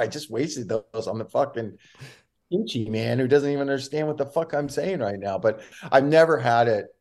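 A man, a podcast co-host and tour caddy, telling profane stories in casual banter. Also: lowish voice. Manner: profane, storytelling, animated impressions.

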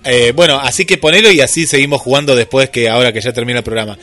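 A man's voice: medium pitch, rapid-fire, bright, forceful tone, soft background music. A man with an Argentine Rioplatense accent hosting casual radio chat, thinking aloud with plenty of fillers. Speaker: radio host.

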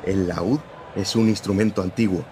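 A man's voice: low voice, steady tone, normal speed, darkish tone, a little hiss or hum, lightly acted. An actor playing a firm, principled newspaper editor-in-chief who lectures his young reporter in a radio drama. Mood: earnest. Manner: firm, lecturing, morally serious.

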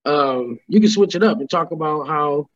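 A man, a stand-up comedian, chatting casually on a podcast in a relaxed, slangy way. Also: fairly high pitch, moderate pace. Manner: relaxed slangy storytelling, laughs often. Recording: slightly dull lo-fi sound.

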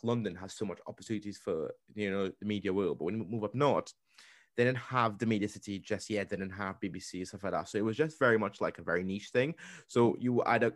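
A man in his thirties from Trinidad with a Trinidadian accent, telling stories in a casual podcast chat, talking fast and restarting his sentences often. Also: fairly low pitch, no echo, clean studio sound. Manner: fast, rambling, with many restarts.

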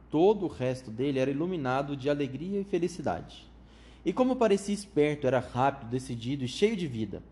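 A man reading a children's book aloud in a measured storytelling manner. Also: fairly high pitch, darkish tone.

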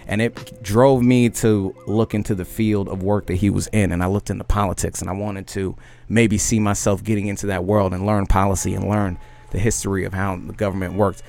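A man in his late twenties, talking loudly and emphatically on a podcast and often asking "you know what I mean?". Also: lowish voice. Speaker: podcast host. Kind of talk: casual conversation.

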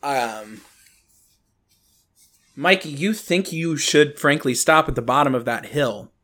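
Male game master, unhurried, deliberate scene-setter, middle voice. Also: medium pitch, lively intonation, a bit bright. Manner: slow, deliberate scene-setting with drawn-out words. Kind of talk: narrating a tabletop horror game.

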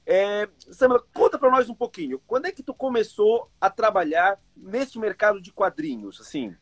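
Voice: mid-range voice, animated, moderate pace, no echo. A friendly interviewer with a mid-range voice draws out the guest with long, wandering questions. Short, encouraging replies fill the gaps. The recording sounds dry and close, with no room around it. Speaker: interviewer, host. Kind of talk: casual interview.

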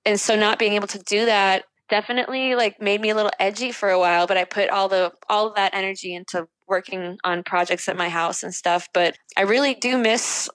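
Plaudernde Musikerin, trockener Klang. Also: female voice, medium pitch, fairly even intonation, a little fast, hardly any pauses, fairly bright tone, no echo. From Dominican Republic. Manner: chatty, laughs often, many restarts. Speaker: musician guest. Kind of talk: casual interview chat.

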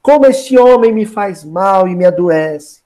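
A man's voice: high-pitched, expressive, a little slow, warm tone. A man voicing a scheming mother who complains tearfully about a man who wrongs her. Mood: sly lament. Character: scheming grieving mother, a woman.

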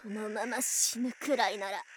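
A woman's voice: medium pitch, steady tone, moderate pace, background noise, lightly acted. A woman voicing a proud, affectionate lamia, a white-snake spirit in human form, in an ASMR voice drama with theatrical, old-fashioned haughty speech. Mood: pained, indignant. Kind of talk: Japanese ASMR situation voice drama.

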